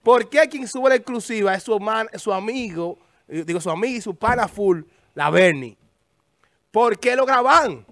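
Gravelly, high-voiced Dominican man pressing a question. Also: animated, normal speed, a bit bright. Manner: argumentative, keeps pressing the same question. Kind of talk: heated studio debate.

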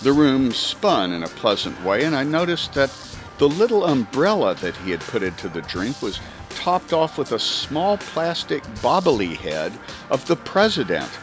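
A man's voice: medium pitch, sing-song, normal speed, over music. A man reading a spy story audiobook in a theatrical, emphatic first-person narration. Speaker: audiobook reader.

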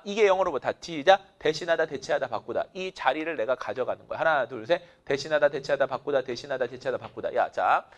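A man who teaches English delivers a lively vocabulary lesson, counting his students in and drilling them through call-and-response cues. His voice is pitched fairly high.

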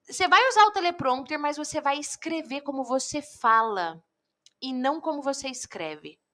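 A woman coach teaching public speaking in a live online lesson, lively and talking straight to viewers. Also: high-pitched, normal speed. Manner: lively, addresses viewers directly.

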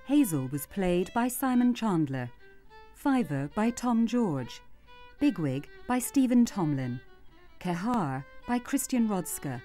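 A woman's voice: on the low side, warm tone. A British woman reading scripted closing credits as a radio announcer.

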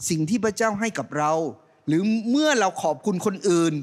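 Lively middle-aged man preaching. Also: fairly quick. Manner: animated preaching, swinging between loud rising calls and soft low asides. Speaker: pastor. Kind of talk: sermon. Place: church stage, indoors. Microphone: handheld mic.

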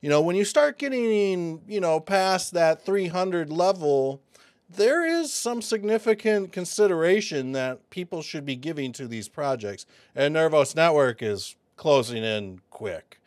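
A man hosting a casual crypto commentary video, excitable and chatty, with lots of fillers, calling his viewers folks. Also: on the high side, a little slow, no room sound, clean studio sound.

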